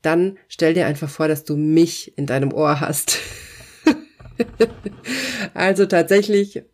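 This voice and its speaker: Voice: mid-range voice, slow. Hypnosis coach, self-help podcast, direct second-person address, encouraging, emphatic affirmations. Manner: emphatic, pointed phrasing. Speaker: coach offering hypnosis sessions.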